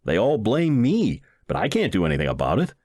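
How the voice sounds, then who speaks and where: Deep-voiced man reading a story, lively intonation. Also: a little fast. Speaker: audiobook reader. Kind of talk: scripted narration of a humorous short story.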